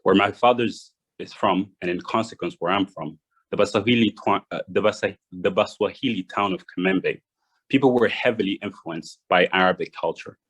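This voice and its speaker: A young man from Rwanda giving a prepared address, measured and read from notes with small restarts. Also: deep voice, a bit bright, breathy edge, poor audio. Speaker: guest speaker.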